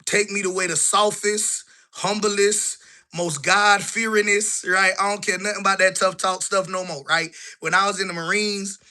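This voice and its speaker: Bright-voiced man in his thirties vlogging. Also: high voice, moderate pace. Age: 30s. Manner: conversational, asks rhetorical "right?" often; colloquial, relaxed grammar. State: a bit out of breath while walking. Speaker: business vlogger. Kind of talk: casual walking vlog. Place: indoors, walking through his office building.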